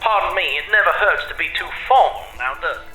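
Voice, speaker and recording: A man's voice: sits high, lively intonation, quick pace, echoey room, over music, low-quality recording. A man playing an officious, condescendingly polite legal advocate in an audio drama, formal and pompous.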